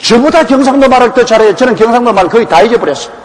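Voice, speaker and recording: Recorded in an echoey hall with faint background noise, a Korean pastor from Gyeongsang province delivers a Bible exposition sermon full of folksy stories. His voice is very high-pitched and animated. He speaks very fast.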